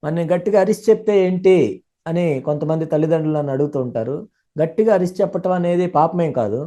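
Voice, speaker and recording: A man interpreting a sermon live, speaking fluently and running his sentences together quickly. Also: a little high, dark tone.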